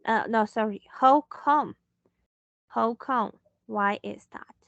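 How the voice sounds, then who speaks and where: Woman teacher, patient, slow, dry muffled sound. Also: on the high side, gravelly, fairly bright tone, no echo. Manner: slow, patient, switching into Spanish to explain. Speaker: English teacher. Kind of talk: online English lesson.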